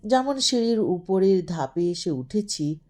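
A woman narrating a literary story in an expressive, measured, dramatic manner. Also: medium pitch.

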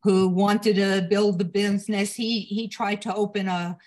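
An older woman talking over a video call in a room at home, her voice at an ordinary middle pitch. She reminisces slowly, pausing on fillers and restarting phrases as she thinks back. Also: little pitch movement, a little mellow. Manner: reminiscing, unhurried, halting with fillers. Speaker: photographer and guest.

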